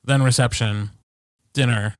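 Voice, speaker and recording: A man's voice: mid-range voice, steady tone, measured pace, no room sound, clean studio sound. A man co-hosting a podcast in casual chat, with wry, self-deprecating humor. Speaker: podcast co-host. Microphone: close podcast microphone, dry sound.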